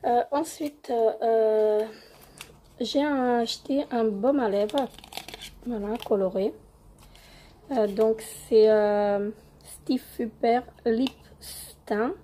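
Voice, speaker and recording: A young woman with a cold-roughened voice, hesitantly reviewing beauty products in a casual home vlog with many fillers. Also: fairly high pitch, steady tone, drawn-out words, warm tone, slight background noise. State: hoarse from a cold. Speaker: beauty vlogger.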